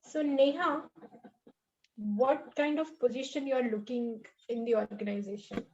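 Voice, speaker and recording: A woman with an Indian English accent conducts an HR interview over a video call, her voice set a little high. She talks in a firm, coaching way and keeps checking that she is understood. The call audio is muffled. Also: measured pace, darkish tone. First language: Marathi.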